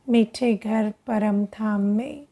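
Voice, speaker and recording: A woman leading a guided meditation in a hushed, deliberate way, speaking in short phrases with long pauses. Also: fairly high pitch.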